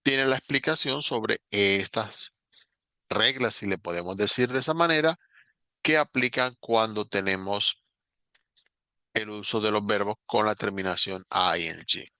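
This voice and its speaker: A man walks through grammar rules in a recorded lesson. His voice is gravelly and bright, with a dry, close sound. He explains patiently and slows down to spell out examples. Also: on the low side, no room sound. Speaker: English teacher.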